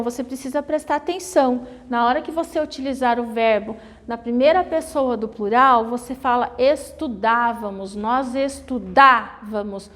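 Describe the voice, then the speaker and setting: A woman whose voice sits high teaches a Portuguese grammar lesson in a big-sounding room. She has a Brazilian Portuguese accent and explains slowly and step by step, repeating and checking in with students through "né?" and "tá?".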